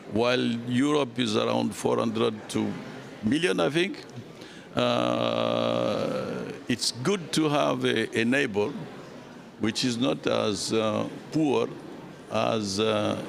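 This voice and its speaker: A man giving measured, deliberate panel remarks in short broken phrases. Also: mid-range voice, creaky. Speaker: panelist, envoy. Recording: live panel with background noise.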